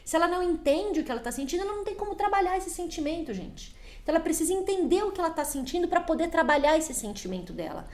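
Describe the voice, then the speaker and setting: A woman in her forties with a high voice coaches parents in a relaxed live talk. She keeps slipping into short acted exchanges, switching quickly between the parent's voice and the child's. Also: roomy sound. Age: 40s. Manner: coaching, acts out little dialogues in quick changing voices. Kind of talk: casual live talk to viewers.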